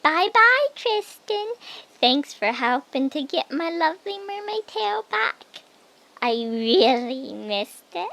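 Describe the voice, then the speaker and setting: A woman voicing a dainty, plaintive mermaid with languid, drawn-out speech in a comic fantasy audio drama. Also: high-pitched, sing-song, creaky, pushed and bright, heavily acted. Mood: sweetly grateful.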